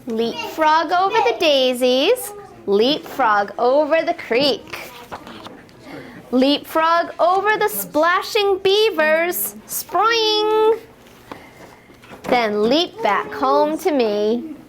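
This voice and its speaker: A woman with a high, very expressive voice reads a picture book to small children. She takes her time and draws them in with questions and playful exclamations. There is some background noise with light clicks. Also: drawn-out words. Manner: encouraging, asks the children questions and prompts them to join in; exclaims action words playfully. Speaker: storytime reader for young children. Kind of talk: animated read-aloud of picture books to children.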